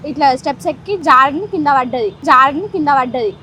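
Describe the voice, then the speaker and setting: Fast, high-voiced young woman on noisy street. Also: lively intonation, pushed and bright. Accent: Telugu, Telangana. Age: teens to young adult. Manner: insistent, repeats herself. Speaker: student making a prank call. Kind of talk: casual phone chat with a friend. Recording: noisy outdoor street with traffic.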